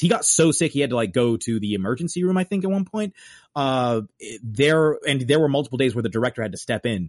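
Here a man with a plain, everyday voice speaks at a fairly quick pace, medium in pitch with lively intonation. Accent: American. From Cincinnati, Ohio, US Midwest. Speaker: actor. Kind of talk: casual chat. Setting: video call.

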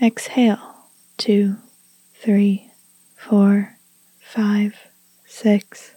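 A calm, gentle tone at a very slow pace, broken by long, frequent pauses. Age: 20s. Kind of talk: guided meditation. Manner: soft, slow and soothing; calm, gentle, paced with pauses and counted breaths.

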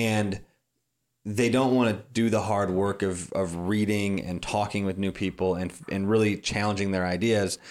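A man with an American accent and an ordinary speaking voice, fairly low in pitch, with fairly even intonation at a moderate pace, on a very clean recording with a silent background. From Madison, Wisconsin, US Midwest. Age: 20s. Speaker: podcast host. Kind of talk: interview conversation. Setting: in the guest's home.

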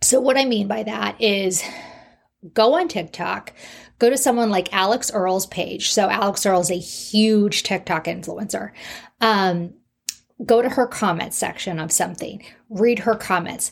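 A woman with a normal speaking voice, medium pitch, ordinary pitch variation and a fairly slow pace. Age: 40s. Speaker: podcast host and author. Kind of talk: solo podcast monologue. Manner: casual, filler-heavy.

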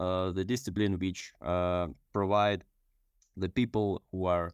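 In a Russian accent, a man speaks at a moderate pace. His pitch is very deep and low. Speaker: political analyst. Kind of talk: interview. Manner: halting, many fillers.

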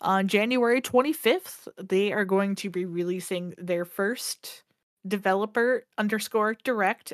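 A woman's plain, everyday voice with an American accent, medium pitch and lively intonation, dry and close with no echo, in a very clean recording with a silent background. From upper Midwest US. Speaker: gaming podcast host. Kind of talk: casual chat.

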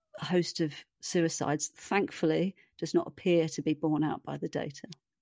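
A woman with a southern English accent speaks at a fairly slow pace in a fairly low voice, her intonation fairly even, the sound dry and close with no echo on a very clean recording over a silent background. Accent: southern English (London area). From southwest London suburbs, England. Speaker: investigative journalist and author. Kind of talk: interview conversation.

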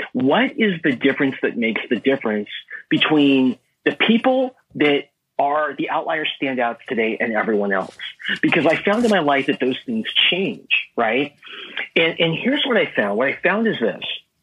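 In a Californian accent, a man with a fairly high pitch speaks at a moderate pace with very wide pitch swings. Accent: Californian American. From Southern California. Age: 40s. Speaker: entrepreneur and business coach. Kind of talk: interview.

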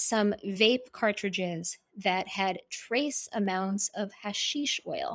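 On a very clean recording with a silent background, a woman with an American accent speaks at medium pitch in a bright, sharp tone. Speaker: podcast host and journalist. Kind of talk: scripted news rundown and commentary.

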